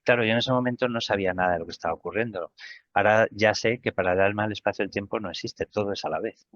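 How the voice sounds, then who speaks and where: A middle-aged man with a Spain Spanish accent tells his story in an interview, with a fairly low voice. He acts out the remembered lines as he goes. The sound is dry and a little muffled. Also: rapid-fire, a bit bright, no room sound. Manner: vivid retelling that acts out remembered dialogue. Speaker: interview guest.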